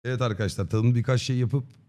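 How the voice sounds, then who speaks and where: A man in his thirties chatting casually on a livestream in a slangy, joking, deadpan way. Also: medium pitch, quick pace. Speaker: live streamer. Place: dim indoor streaming room. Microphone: close desk microphone with headset on.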